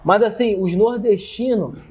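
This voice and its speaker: A man's voice: high voice, a little slow, darkish tone, a little hiss or hum. A man born in Bahia and raised in Rio, a chef co-hosting a casual podcast chat, explaining his points emphatically and repeating phrases. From born in Bahia, raised in Rio de Janeiro.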